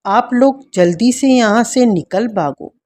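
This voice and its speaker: Storybook: hushed, urgent young noblewoman , read by a woman; slow, mellow. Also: on the high side, expressive. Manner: hushed, whispering.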